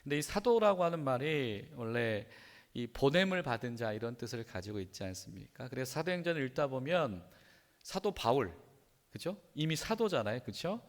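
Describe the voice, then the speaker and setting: A man's voice: mid-range voice, very animated, moderate pace. A male pastor preaching a sermon in a conversational way, with frequent rhetorical questions. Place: church sanctuary. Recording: long reverb of a church sanctuary.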